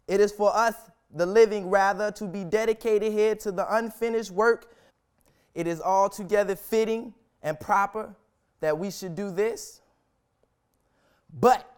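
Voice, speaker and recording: A young man reciting a historic speech as solemn, dramatic oratory, with deliberate, emphatic phrasing and long pauses. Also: sits high, clean tone. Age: young adult.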